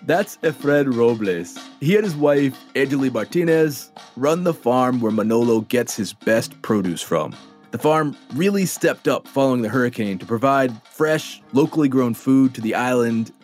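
A man's voice: mid-range voice, expressive, normal speed, darkish tone. A man hosting and narrating a food documentary in a playful, conversational way. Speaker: host and reporter. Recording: light music underneath.

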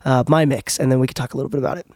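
A man with a hoarse voice that is giving out, hosting a casual podcast interview in an upbeat, encouraging way. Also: medium pitch, fairly even intonation, very fast. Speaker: podcast host.

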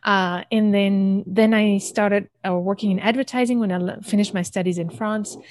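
A woman from Algeria, an entrepreneur and podcast guest, telling her story in an animated way and laughing often. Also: mid-range voice. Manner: animated, laughs often, talks fast in bursts. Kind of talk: casual interview storytelling.

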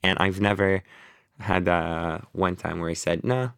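A man from Lebanon, an author being interviewed, talking in a relaxed, rambling way with many fillers and restarts. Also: low-pitched, measured pace, creaky, clean tone, dry recording, studio quality. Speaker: author guest. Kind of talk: casual interview conversation.

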